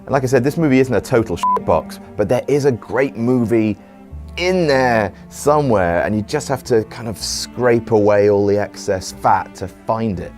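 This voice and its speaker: A young man giving scripted film commentary, excitable and sarcastic, swearing casually. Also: mid-range voice, moderate pace, soft background music.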